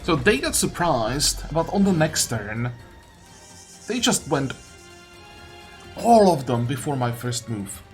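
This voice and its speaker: A man's voice: medium pitch, very animated, takes it slowly, pauses often, faint music behind. A man giving casual video game commentary, grumbling and thinking aloud as he plays. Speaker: gaming video host.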